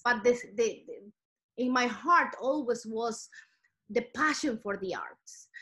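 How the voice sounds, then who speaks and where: Speaking slowly with lively intonation, the guest is a middle-aged Ecuadorian woman whose native language is Spanish and whose accent is Ecuadorian. Her voice sits on the high side and comes across pushed and bright as she answers interview questions in a reflective, story-like manner.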